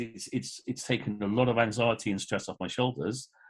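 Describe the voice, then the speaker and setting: Speaking fairly quickly, a man sounds somewhat breathy. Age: 50s. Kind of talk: interview conversation. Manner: fast; animated.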